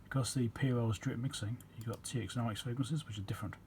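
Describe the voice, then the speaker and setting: A man's voice: mid-range voice, fairly even intonation, very fast, a little mellow, slight background noise. A man giving a casual technical explanation as a repair video host, rambling and matter-of-fact as he thinks aloud.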